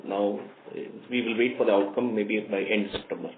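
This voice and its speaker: A man's voice: lowish voice, steady tone, fairly quick. A man answering as a company executive on an earnings call in formal, legalistic wording. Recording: echoey, noisy narrowband phone line.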